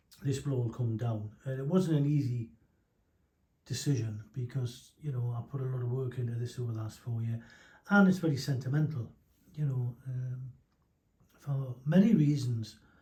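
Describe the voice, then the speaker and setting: A man's dark, mellow, somewhat breathy voice at medium pitch, with ordinary pitch variation, a moderate pace and long, frequent pauses. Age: 60s. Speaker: model railway hobbyist YouTuber. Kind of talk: casual vlog talk. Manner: halting.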